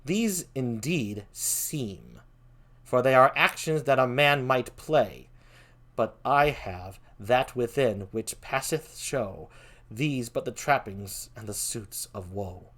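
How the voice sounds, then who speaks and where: A man reads a brooding young prince in mourning, in Shakespearean verse. His delivery is subdued and often drops low in pitch, with a bitter grief. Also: expressive, takes it slowly, fairly bright tone. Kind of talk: theatrical Shakespeare reading.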